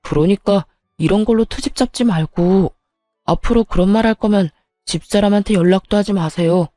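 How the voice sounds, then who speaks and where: A woman's voice: mid-range voice, normal speed, dark tone, no echo, clean studio sound, soft background music, natural voice. A woman voicing a husband who talks firmly and bluntly in defense of his wife. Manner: firm, blunt talk.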